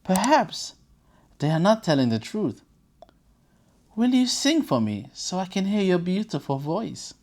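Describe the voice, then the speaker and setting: Storyteller as sly female fox for a storybook fable: coaxing, drawn-out lines, swooping intonation. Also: medium pitch, big pitch swings, a little mellow, voice pushed up. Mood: sly flattery. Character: crafty, flattering female fox in a children's fable.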